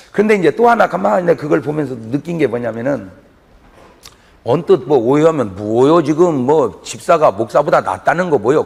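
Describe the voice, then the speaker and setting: A man preaching a sermon as pastor, telling stories with loud emphasis and quiet asides and asking the congregation questions. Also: fairly high pitch, vocal fry, in a large hall. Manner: lively storytelling, swings between loud emphasis and quiet asides.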